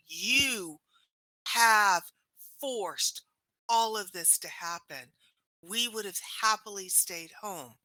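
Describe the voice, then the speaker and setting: A woman playing a righteous, defiant adventurer in a tabletop game, speaking slowly in a dramatic, declamatory way. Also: medium pitch, bright, forceful tone, no echo, poor audio. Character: righteous, defiant female adventurer confronting a villain. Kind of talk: tabletop role-play.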